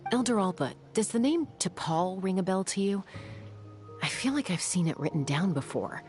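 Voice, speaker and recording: A tough young tribal warrior, voiced by a woman, firm and dry in her questioning. Her pitch sits in the middle, with faint music under her. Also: lively intonation, moderate pace, darkish tone, close to an everyday voice. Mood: pondering. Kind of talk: game cutscene voice acting.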